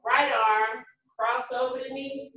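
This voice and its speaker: Echoey, distant, bright-voiced woman instructing yoga. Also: high voice, steady tone, highs cut off. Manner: short, measured step-by-step cues with counting. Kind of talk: guided yoga class instruction. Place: large empty carpeted office room, indoors. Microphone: far camera across the room. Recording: echoey room, distant microphone, faint music.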